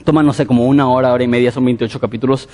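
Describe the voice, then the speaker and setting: A man's voice: medium pitch, fairly even intonation, very fast, dark tone. A man preaching a sermon, telling the story vividly and asking the listeners questions. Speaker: pastor. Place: church. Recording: echoey hall.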